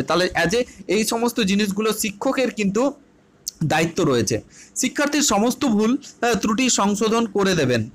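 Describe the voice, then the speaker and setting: A man with a high voice and a Bengali accent gives an online exam-prep class. He asks his students questions and answers them himself, repeats each key point and drops English terms into his Bengali. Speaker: teacher.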